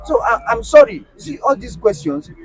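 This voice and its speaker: Nigerian man, high voice, animated and emphatic, interview guest. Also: normal speed, vocal fry, no room sound, rough recording. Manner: animated, rising to emphatic rhetorical questions. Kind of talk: casual conversation.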